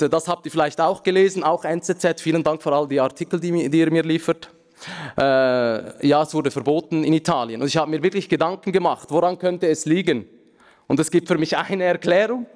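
A man in his thirties, a native Aramaic speaker, giving a relaxed conference talk from a lectern with joking asides and frequent filler sounds. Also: on the high side. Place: large conference hall, at a lectern. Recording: reverberant hall.

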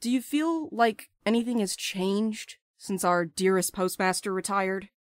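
A woman's voice: mid-range voice, measured pace, no echo, clean studio sound, natural voice. An actress playing a brash, impulsive young woman with crude, sarcastic banter in an audio drama. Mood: brash, teasing. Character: brash, playful, impulsive young postal worker friend.

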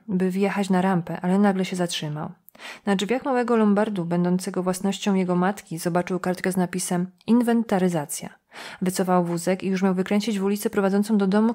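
A woman narrating a crime novel audiobook in a measured, steady way. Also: on the low side. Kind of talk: scripted narration.

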